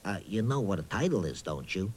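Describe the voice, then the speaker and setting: A man's voice: low voice, big pitch swings, a little fast, a little mellow, slight background noise. A man voicing a friendly, absent-minded talking boot who hosts a children's reading show in a hesitant, chatty way. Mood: chatty, quizzing. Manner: hesitant, bumbling, chatty, hums nonsense syllables. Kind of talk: playful children's educational presenting.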